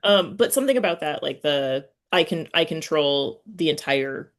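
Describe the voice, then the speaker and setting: A woman's voice: deep voice, lively intonation, moderate pace. A woman hosting a casual chat, talking informally in a rambling way and often interrupting herself. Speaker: podcast host, interviewer.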